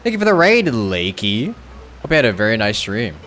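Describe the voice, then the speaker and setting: A man talks in a lowish voice while streaming a game. He chats in a loose, rambling way and fills his sentences with "like." Faint game music plays behind him. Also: big pitch swings, fairly quick, fairly bright tone. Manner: rambling, chatty, says "like" a lot. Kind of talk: casual live-stream chat.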